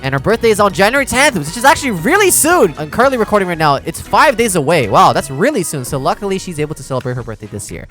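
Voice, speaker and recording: Excitable man, lively swinging voice. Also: high-pitched, fast talker, few pauses, soft background music. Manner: excitable, frequent exclamations and laughs. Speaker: YouTuber reacting to a game trailer. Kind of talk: casual reaction commentary.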